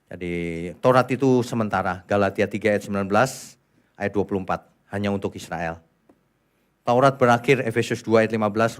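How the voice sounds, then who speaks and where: A middle-aged Indonesian man preaching a sermon as pastor, animated, jumping between loud scolding outbursts and quiet asides full of rhetorical questions. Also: mid-range voice.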